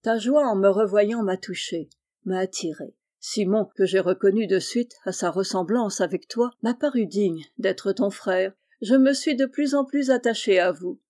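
A woman reading aloud, voicing a kind and wealthy male painter who speaks gently and reassuringly, like a father. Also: mid-range voice, normal speed, close to an everyday voice. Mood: tender.

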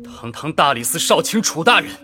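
A defiant captive general. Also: male voice, fairly high pitch, sing-song, fairly quick, over music. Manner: defiant, restrained. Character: proud imprisoned male general, defiant. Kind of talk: audio drama acting.

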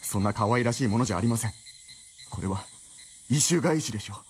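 妻である女性を厳しく問い詰める青年を演じる男性俳優。ラジオドラマの芝居。. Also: male voice, medium pitch, lively intonation, fast talker, slight background noise, close to an everyday voice. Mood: indignant. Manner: agitated, pressing questions. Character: earnest young male writer's companion, indignant. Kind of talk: radio drama acting.

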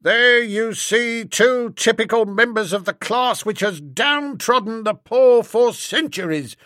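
A man's voice: very high voice, unhurried, bright, forceful tone, no room sound, studio quality, pitched above the performer's own voice, full character voice. A man voicing a bearded street-corner agitator who bellows scornful, declamatory speeches at a crowd. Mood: ranting.

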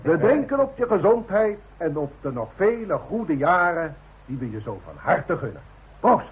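An actor playing a hearty, formal boss in a Dutch radio play, jovial and oratorical. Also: male voice, a little high, sing-song, moderate pace, husky, full character voice. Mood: warm, solemn. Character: hearty, formal male boss giving a speech. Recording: noisy, tinny, narrow-band old radio recording.

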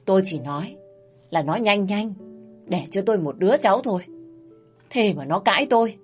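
A woman's voice: lively intonation, normal speed, darkish tone, lightly acted. A woman voicing a harsh, scolding older mother-in-law who nags shrilly, over faint music. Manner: shrill, nagging, raising her voice.

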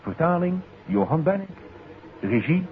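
A man's voice: high voice, big pitch swings, measured pace. A man reads formal credits as a fifties radio announcer. His intonation moves widely. The old recording is muffled with faint noise.

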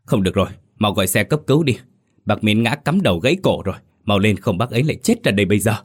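A man voicing a panicked mourner who shouts frantically for help. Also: fairly low pitch, expressive, fast, slightly rough. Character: panicked mourner at a village funeral.

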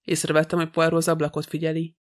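A man reading a novel aloud as a narrator, in a very flat, even delivery. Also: fairly high pitch. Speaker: audiobook narrator. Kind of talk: scripted narration.

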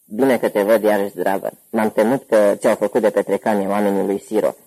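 A man voicing a hoarse, corpulent older gangster uncle who talks boisterously and at length. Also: lowish voice, little pitch movement, dark tone, rough recording. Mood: jovial.

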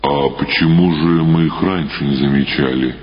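Man voicing a very deep, puzzled stoner guy. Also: fairly even intonation, moderate pace, long reverb tail. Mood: curious, surprised. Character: puzzled, curious young male drug-user friend, slow and gruff. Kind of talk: audiobook character dialogue. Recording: dull radio-like sound over loud music.

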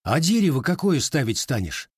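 A man's voice: a little high, big pitch swings, normal speed, a little mellow, husky, dry recording, studio quality, pitched above the performer's own voice, full character voice. Man doing a cheeky teenage Cossack boy. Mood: whiny. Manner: brash, whiny.

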